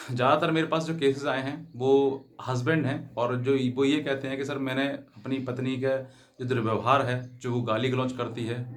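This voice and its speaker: A man giving an explanatory legal advice talk to viewers, often rephrasing himself and glossing English terms in Hindi. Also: medium pitch. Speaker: legal advice channel host.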